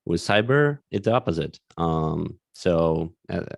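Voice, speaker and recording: A man's voice: low voice, lively intonation, measured pace, creaky, dry recording, studio quality. A man hosting a podcast, asking questions casually and hesitantly, with many ums and uhs. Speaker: podcast host, interviewer.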